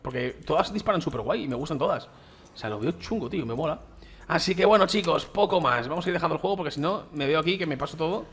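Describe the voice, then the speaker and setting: Animated and quick, with a fairly high, fairly bright voice and a breathy edge, this gaming YouTuber from Spain chats over his gameplay in a Spain Spanish accent. He talks directly to his viewers in casual slang, calling them "chicos" and "tío".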